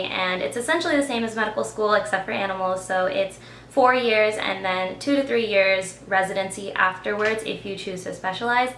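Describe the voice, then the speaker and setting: A young woman in her twenties talks casually to her viewers, mid-pitched and easygoing, dropping "like" often. Her voice bounces around an echoey room. A faint background hiss sits under it. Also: fairly bright tone. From Australia. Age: 20s. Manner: chatty, lots of "like" fillers. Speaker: vlogger. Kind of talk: casual get-to-know-me vlog.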